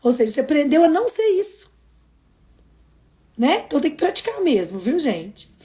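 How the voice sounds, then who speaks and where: A woman with a Brazilian Portuguese accent, hosting a casual motivational live stream, expressive and moving between emphatic and soft delivery. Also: high voice. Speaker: host of daily live streams.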